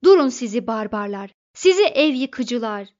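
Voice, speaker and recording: A woman voicing a flustered, panicky young Englishman who keeps shouting in alarm, read in an audiobook. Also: fairly high pitch, slow. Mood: shouting, panicked. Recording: dull lo-fi recording.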